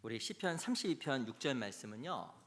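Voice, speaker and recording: A woman preaching a sermon in short phrases, pausing for an interpreter and rising to loud, emphatic exhortation. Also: very deep voice, sing-song, a little hiss or hum. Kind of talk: sermon in Korean with live interpretation. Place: church sanctuary.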